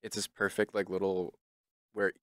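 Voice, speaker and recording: A man's voice: low voice, flat delivery, normal speed, no echo, studio quality. A man from Hong Kong, a guest on a podcast, talking in a laid-back way, chuckling and swearing casually. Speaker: podcast guest, music producer. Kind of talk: casual interview chat.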